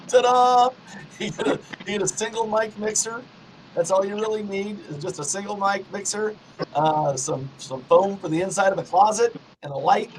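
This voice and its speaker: Easygoing, laughing podcast host with a high voice. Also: male voice, normal speed, slight background noise, poor audio. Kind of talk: casual conversation.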